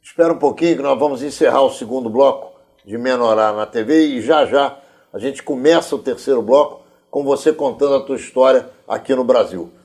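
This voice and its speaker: A Brazilian man speaks as the host of a television interview. His pitch sits in the middle range for a man, and he questions and comments in a conversational way. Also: fairly quick, a little mellow.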